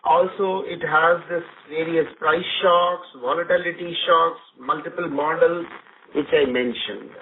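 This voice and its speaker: A man with an Indian accent giving measured, formal answers as a company executive on an earnings call. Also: fairly high pitch, fairly even intonation. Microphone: conference phone call. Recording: narrow phone line with clear noise.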